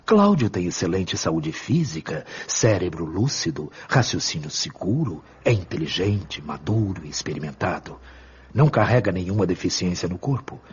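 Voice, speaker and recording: A deep, expressive male spirit teacher played by an actor in a radio play. He is calm, wise and firm, instructing patiently in measured, formal phrases. The sound is dull and lo-fi. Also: a little hiss or hum. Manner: measured, didactic, formal diction. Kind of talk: audio drama dialogue. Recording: dull lo-fi audio.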